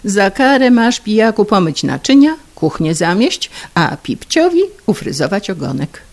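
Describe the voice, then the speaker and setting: A woman's voice: low voice, big pitch swings, a little slow, creaky, breathy edge, full character voice. A woman voicing a domineering wife, a singer who barks orders and scolds her husband. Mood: scolding. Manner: commanding, scolding, barking orders. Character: domineering shrill opera-singer wife, bossy and quick to scold.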